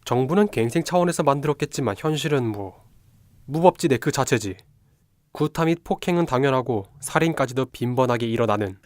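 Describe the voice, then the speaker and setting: A man's voice: medium pitch, lively intonation, brisk, no room sound, studio quality, natural voice. A man playing a blunt, hot-tempered young student detective in a radio drama, brusque and sarcastic. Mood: scornful. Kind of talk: fast radio drama dialogue.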